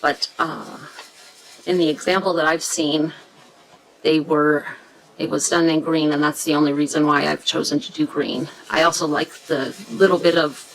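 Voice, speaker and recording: A woman hosting a casual craft tutorial, chatty and hesitant, often pausing to search for words. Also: low voice, fairly even intonation, a little hiss or hum, rough recording. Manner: chatty, self-deprecating about pronunciation.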